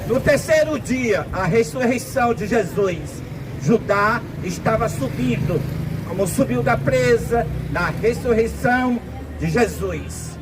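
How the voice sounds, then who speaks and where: Outdoors, with traffic noise behind him and poor audio, a Brazilian man with a Brazilian Portuguese accent preaches a sermon. His voice is very high, and his delivery is slow, deliberate, and emphatic.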